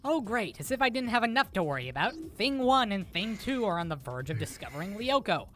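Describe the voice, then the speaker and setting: A man's voice: sits high, sing-song, brisk, sharp tone, exaggerated voice. A man voicing a stressed, nerdy boy genius leading a team in a cartoon parody, fretful and exasperated. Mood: harried. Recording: music behind the voice.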